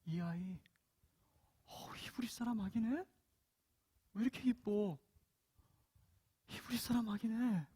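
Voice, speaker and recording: A man voicing a young Egyptian princess in a high falsetto, in a sermon's storytelling. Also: lively intonation, a little slow, long pauses, a bit bright, breathy edge, heavily acted. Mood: tender. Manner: high falsetto, far from mic.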